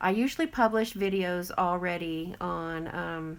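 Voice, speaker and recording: A speaker with an American accent is heard on a very clean recording with a silent background. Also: woman. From Texas, Houston area. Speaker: papercraft demonstrator. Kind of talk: live-stream crafting tutorial with chat. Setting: live stream at home. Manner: casual, with frequent fillers.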